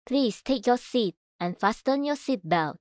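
A woman reading scripted public announcements in a formal, measured, carefully enunciated manner. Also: on the high side, lively intonation, darkish tone, no room sound. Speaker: voice-over announcer.

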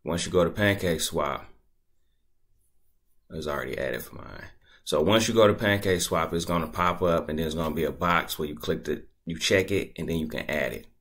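A man casually talking through a screen-recorded tutorial at his computer, laid-back and thinking out loud as he goes. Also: extremely low pitch, fairly quick. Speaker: crypto tutorial creator.

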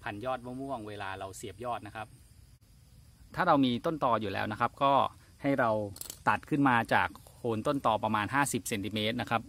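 A man in his thirties giving a polite, steady gardening demonstration outdoors at a plant nursery. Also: mid-range voice, brisk, a little hiss or hum. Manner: polite, steady instructional delivery. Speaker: farm channel host.

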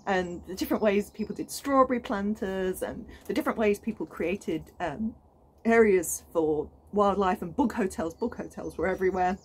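A woman in her thirties, a gardening vlogger from the United Kingdom, speaks at medium pitch and a moderate pace in a husky voice. She's outdoors on her allotment plot, chatting to camera in a British accent. Enthusiastic, she often says um and restarts her sentences.

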